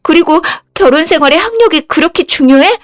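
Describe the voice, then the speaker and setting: A woman's voice: sits high, animated, brisk, voice pushed up. A woman doing a whiny pleading young wife.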